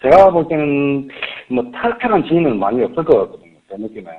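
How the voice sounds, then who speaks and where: A middle-aged man speaking a Korean regional dialect, phoning in to a live stream and rambling haltingly, often repeating himself. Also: on the high side, big pitch swings, narrow, tinny audio, a little hiss or hum. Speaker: caller. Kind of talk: phone-in advice call.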